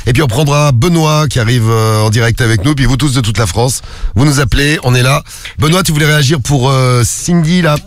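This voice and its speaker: A man's voice: medium pitch, fairly quick, no echo, studio quality. A man hosting a live call-in radio show, chatting loosely and joking with his co-hosts and callers, with many fillers.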